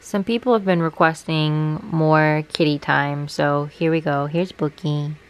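A woman's voice: sits low, steady tone, a little slow, clean tone. A young woman in her twenties chatting casually to camera in a small bedroom, with wry, self-mocking asides. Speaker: lifestyle vlogger. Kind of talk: casual vlog chat to camera.

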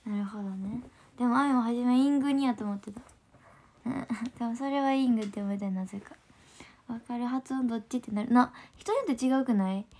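A woman with a Kansai accent chatting casually on a livestream, reading viewer comments, laughing often and slipping into soft whispers. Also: fairly high pitch. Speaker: idol group trainee hosting a livestream.

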